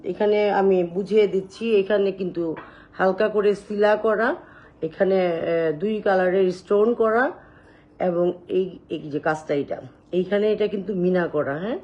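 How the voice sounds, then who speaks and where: A woman hosting a live sales stream, showing jewelry and talking loudly and chattily to her viewers. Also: mid-range voice, highs cut off. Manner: loud, chatty, addresses viewers directly.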